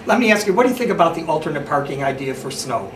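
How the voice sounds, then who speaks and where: A man hosts a local interview show, restarting his questions and repeating words as he goes. He sounds like he is some distance from the mic in a roomy space. A steady hiss of noise runs under his voice. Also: fairly high pitch. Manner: halting, repeats words while asking long questions. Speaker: talk show host. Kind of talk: interviewing a political candidate.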